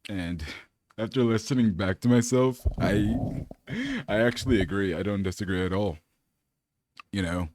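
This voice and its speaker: A man's voice: on the low side, normal speed, long pauses, background noise. A man from California in his thirties, chatting casually to camera as a fitness vlogger, rambling and laid-back with lots of fillers.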